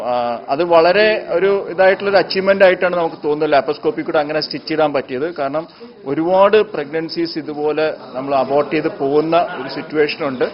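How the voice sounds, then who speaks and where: A man with a Malayali accent speaks as a doctor giving an interview. His voice is a bit high for a man, and he explains conversationally with English technical words mixed in. The recording is somewhat dull and lo-fi. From Kerala, India. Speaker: doctor, gynaecological surgeon.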